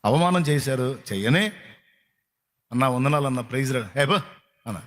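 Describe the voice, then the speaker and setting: A man's voice: mid-range voice, expressive, moderate pace. A male pastor preaching a sermon in a colloquial, repetitive style, firing rhetorical questions at his congregation.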